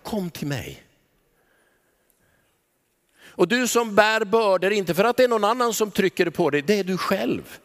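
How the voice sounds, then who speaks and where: A man preaching a sermon in a church, pausing dramatically and dropping to a soft, low voice on the words he stresses. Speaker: pastor. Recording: long church reverb.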